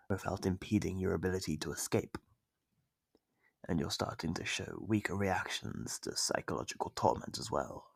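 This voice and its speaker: Male actor as cruel taunting monster, gravelly and husky, deliberate slow pacing, close dry mic, ASMR horror roleplay. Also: no room sound, full character voice. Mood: scheming, cruel. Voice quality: gravelly, husky low voice with whispery edges. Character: sadistic monster gleefully toying with captive human prey. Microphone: close, dry microphone.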